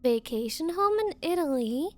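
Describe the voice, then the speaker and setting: A woman's voice: high voice, lively intonation, moderate pace. A woman playing a spoiled, possessive rich young girlfriend in an ASMR roleplay, speaking with haughty, coaxing false patience. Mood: sweetly possessive.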